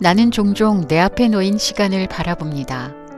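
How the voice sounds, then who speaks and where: A woman in a calm tone at a fairly slow pace, with music in the background. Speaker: audiobook reader. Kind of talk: audiobook reading of a children's novel. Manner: soft-spoken, calm.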